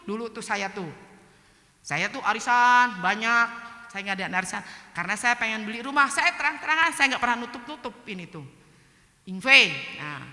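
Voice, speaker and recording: A middle-aged woman pastor with a slightly hoarse voice, giving an emotional sermon full of personal testimony and acted-out quotes. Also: fairly high pitch, pushed and bright. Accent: Indonesian. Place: church hall. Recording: echoey church hall with long reverb.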